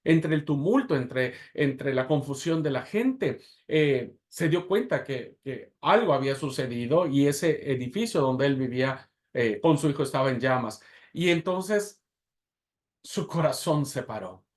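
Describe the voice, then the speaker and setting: A man teaching a class on expository preaching, telling a story dramatically with pauses and swings in loudness, then putting questions to the class. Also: mid-range voice, lively intonation. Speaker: preaching instructor.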